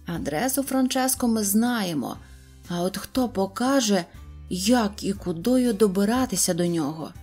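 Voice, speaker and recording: A practical toy stationmaster, voiced by a woman narrator weighs things in a sober, matter-of-fact way. The voice is mellow and soft, and faint music runs under the storybook. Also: mid-range voice, expressive, measured pace, husky.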